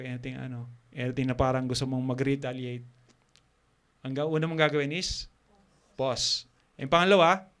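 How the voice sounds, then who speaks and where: A man preaching a sermon, halting with fillers and restarts, asking the congregation questions. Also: fairly high pitch, fairly bright tone, clear, resonant tone.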